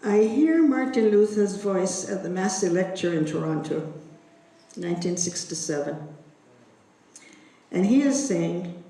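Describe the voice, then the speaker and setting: A woman introducing a speaker at a ceremony with slow, measured storytelling. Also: fairly low pitch, expressive, dark tone. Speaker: event emcee introducing a speaker. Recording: echoey hall, distant microphone.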